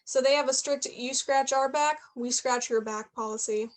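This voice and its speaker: A woman's voice: high-pitched, steady tone, moderate pace, lightly acted. A woman playing an ambitious young journalist and loyal friend, frustrated at times, in a staged reading of a play. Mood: frustrated, venting.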